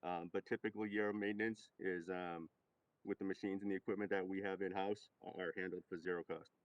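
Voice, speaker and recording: A man's voice: low-pitched, little pitch movement, fairly quick. A man hesitantly giving a matter-of-fact explanation at a public meeting, recorded at a distance with dull sound.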